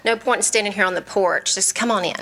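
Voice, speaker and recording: A woman's voice: medium pitch, fast, bright, forceful tone. An actress playing a spirited, forthright young small-town woman with a teasing manner in a staged radio drama reading. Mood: teasing, inviting. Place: stage, live broadcast reading.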